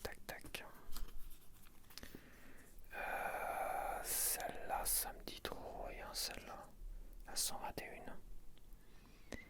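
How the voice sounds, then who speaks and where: A man whispering softly into a close mic for ASMR, murmuring sticker numbers and rambling along. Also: very slow, pauses often. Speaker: ASMR creator.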